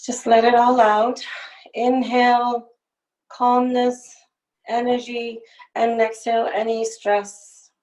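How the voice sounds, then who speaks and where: A woman podcast host who leads a calm guided meditation and then asks interview questions. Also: on the high side, rough recording. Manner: soothing, slow guided breathing.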